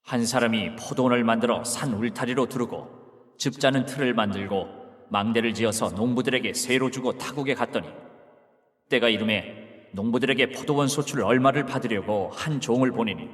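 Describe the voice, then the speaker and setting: Solemn, authoritative male holy teacher played by an actor for audio scripture drama; measured declamation, mid-pitched, long hall reverb. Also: lightly acted. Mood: storytelling. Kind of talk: dramatized Bible reading.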